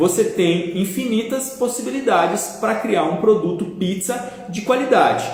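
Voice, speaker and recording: Noticeable background noise and audible room echo surround a man who speaks at a fairly slow pace with a high pitch. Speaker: pizza chef and instructor. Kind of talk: live stream lesson.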